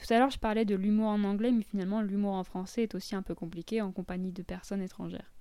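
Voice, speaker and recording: Very fast and with hardly any pauses, a woman speaks in a dark, mellow tone. Her intonation is monotone and flat. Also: medium pitch for a woman. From France. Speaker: civic service volunteer, podcast co-host. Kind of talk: scripted podcast narration.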